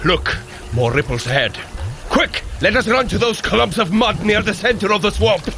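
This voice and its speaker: An actor playing a hearty, commanding Norse thunder god in an audio adventure drama, declaiming in old-fashioned heroic speech. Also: male voice, high-pitched, expressive, moderate pace, bright, forceful tone, soft background music, heavily acted. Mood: urgent, commanding. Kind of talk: audio adventure drama acting for a fitness running app.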